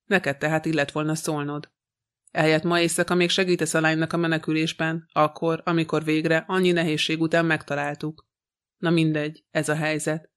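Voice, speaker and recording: Man reading shrewd calm old detective, gently teasing, monotone, smooth resonant voice, audiobook. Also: a little high.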